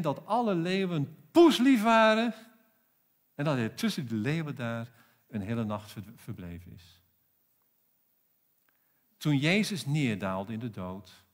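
A pastor with a South African accent preaching a sermon in a church, emphatic and full of rhetorical questions. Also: male voice, on the high side.

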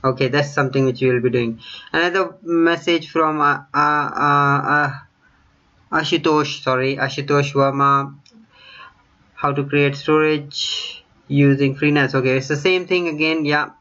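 Man with indian-british accent, fairly high voice, flat, dull lo-fi webcam sound. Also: measured pace. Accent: Indian with British mix. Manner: chatty, many ums and self-corrections. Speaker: tech YouTuber. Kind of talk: casual screen-share vlog reading comments. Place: small room at home, indoors.

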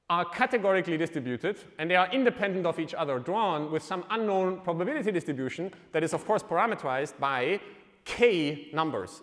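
A male lecturer talks through his material in a loose, conversational way, dropping wry asides and correcting himself as he goes. His voice sits a little high for a man. The sound carries the long reverb of a large lecture hall. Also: fairly bright tone. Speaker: university lecturer. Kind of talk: live university lecture.

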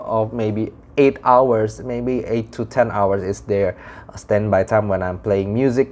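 A young man giving a casual product review in a halting way, stressing key words. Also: on the low side, darkish tone. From Indonesia. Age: young adult. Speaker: audio gear reviewer. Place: small indoor room.

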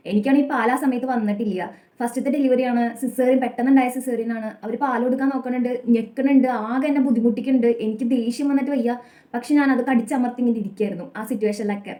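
A woman's voice: a little high, mellow. A young woman with a Malayali accent telling a personal story to camera in an earnest, confessional way. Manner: earnest, rapid confessional telling with frequent tag "kettō". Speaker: vlogger. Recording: echoey room.

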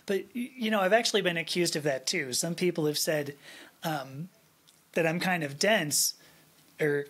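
A woman's voice: on the low side, normal speed, slightly rough. A middle-aged woman hosting a podcast from home, talking in a hesitant, self-deprecating way into a desk mic. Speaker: podcast host. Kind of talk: casual conversational interview. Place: home room with bookshelves. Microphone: desk microphone.

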